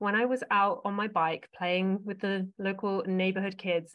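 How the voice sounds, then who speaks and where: In an English accent, a woman with a medium pitch speaks at a moderate pace. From England, Essex. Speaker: doctor and youtuber. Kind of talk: interview conversation. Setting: podcast interview. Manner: animated.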